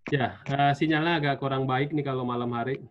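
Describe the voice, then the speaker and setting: A man's voice: medium pitch, fairly even intonation, brisk, background noise. A man moderating an online meeting, heard through a choppy bad connection on a video call with dull, lo-fi audio. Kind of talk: casual online meeting chat.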